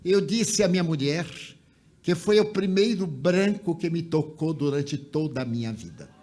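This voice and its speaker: A man's voice: moderate pace, slight background noise. Older man telling a story. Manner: animated narration with wide pitch swings, soft trailing line ends. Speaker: religious speaker. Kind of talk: storytelling talk.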